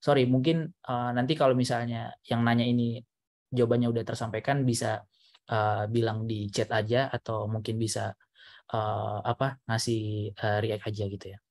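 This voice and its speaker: A man's voice: mid-range voice, level tone, moderate pace, darkish tone, no echo. A man speaking as a webinar speaker, answering questions casually in a rambling way full of fillers and restarts over a video call.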